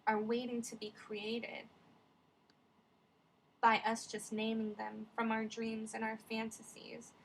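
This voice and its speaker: A woman's voice: a little high, monotone, takes it slowly, creaky, long pauses, low-quality recording. A woman vlogger musing in casual, rambling reflective commentary, digressing often with many fillers.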